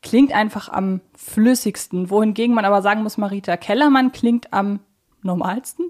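A woman's voice: medium pitch, normal speed, darkish tone. A woman co-hosts a casual fan discussion, explaining things chattily and drifting into side notes. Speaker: podcast co-host.

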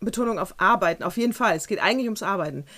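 A woman's voice: mid-range voice, lively intonation, very fast, fairly bright tone. A woman co-hosting a podcast in casual chat, blunt and casually swearing. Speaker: podcast co-host.

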